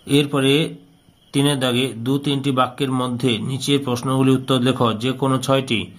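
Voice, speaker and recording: A man's voice: medium pitch, little pitch movement, normal speed. A man teaching by reading out questions and answers, repeating phrases as if dictating. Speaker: history teacher solving an exam paper.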